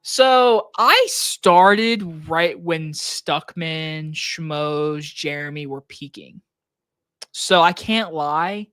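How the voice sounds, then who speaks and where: A man with a scratchy, hoarse throat hosting a casual live stream Q&A from his desk, talking loosely with plenty of likes and restarts into a microphone on a boom arm. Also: extremely slow, fairly bright tone, no echo, studio quality. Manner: loose, rambling talk with many likes and restarts. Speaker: movie reviewer and channel host. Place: home desk setup.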